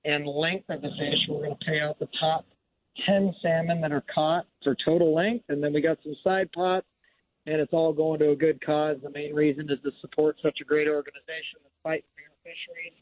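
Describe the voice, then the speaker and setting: A man calls in from a fishing boat on a tinny phone line that keeps cutting out. His voice sits a little high and dry, and he talks in a plain, easygoing way with a lot of "uh"s. He sounds like a fishing guide chatting on call-in radio. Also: flat delivery, brisk, no room sound. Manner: plain-spoken, easygoing, with frequent "uh" fillers. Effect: phone line breaking up. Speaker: fishing guide and association president.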